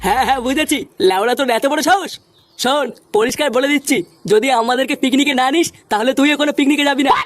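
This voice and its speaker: একজন মহিলার করা রাগী বয়স্ক কার্টুন লোক, উঁচু দ্রুত গলা. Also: female voice, high voice, quick pace, no echo, close to an everyday voice. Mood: scolding. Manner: gruff, scolding, swears.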